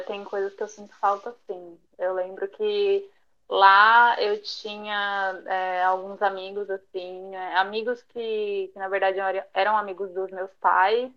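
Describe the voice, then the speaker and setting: A woman's voice: mid-range voice, fairly even intonation, unhurried, highs cut off. Chatty young woman. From São Paulo, Brazil. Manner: chatty, many fillers, light laughs. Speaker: podcast guest. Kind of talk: conversational interview.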